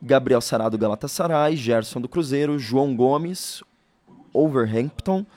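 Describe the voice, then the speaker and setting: A man, a radio co-host, reading out a long list of names in a steady, brisk way. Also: medium pitch, no echo.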